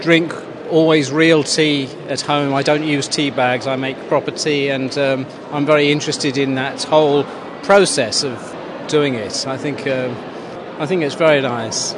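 A man's voice: mid-range voice, steady tone, unhurried. A man interviewed outdoors, talking hesitantly with many restarts. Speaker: festival visitor interviewed. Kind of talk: street vox pop. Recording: street noise behind.

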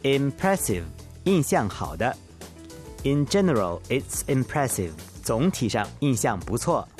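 A man from China with a Chinese accent, co-hosting an English lesson and speaking slow, careful English. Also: mid-range voice, very animated, a little mellow, faint music behind. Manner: translates and asks questions, slow careful English. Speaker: co-host of English learning programme. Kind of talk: bilingual scripted presenting.

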